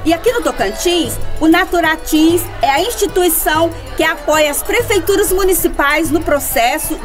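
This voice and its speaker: An encouraging schoolteacher instructs her pupils in a radio drama. Her voice is high, with music clearly playing underneath. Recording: music behind.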